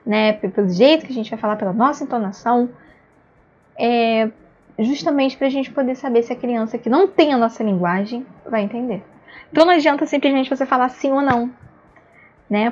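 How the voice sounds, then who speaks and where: A woman's voice: a little high, a little mellow. Conversational woman teaching, dull lo-fi sound. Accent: Brazilian Portuguese. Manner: conversational, keeps asking "né?". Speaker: instructor. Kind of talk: online lecture.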